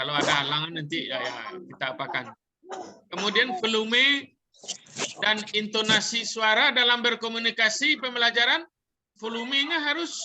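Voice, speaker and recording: A man speaks loudly at a moderate pace. His voice is extremely high and swings very widely in pitch. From Padang, West Sumatra, Indonesia. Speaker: teacher trainer. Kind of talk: training session. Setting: video call. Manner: loud, clear articulation.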